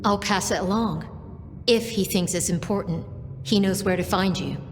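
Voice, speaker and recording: A woman plays a sardonic gatekeeper in a noir game, curt and unimpressed. Her mid-pitched voice rings with long reverb over clear background noise. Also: moderate pace, lightly acted. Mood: dismissive, sardonic. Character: dismissive, sardonic female office gatekeeper. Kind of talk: noir video game dialogue.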